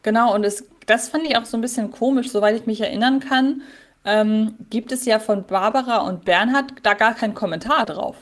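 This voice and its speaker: A woman's voice: fairly high pitch, brisk. A woman co-hosting a podcast, reflecting at length in casual chat about a radio play. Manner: reflective, rambling, thinks aloud. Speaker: podcast co-host.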